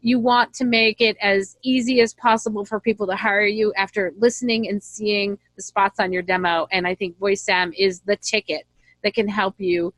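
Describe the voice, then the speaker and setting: A woman's voice: medium pitch, steady tone, normal speed, a bit bright, no room sound. Chatty woman host, dry sound. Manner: upbeat, chatty, laughs easily. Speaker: interview host. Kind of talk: casual interview chat.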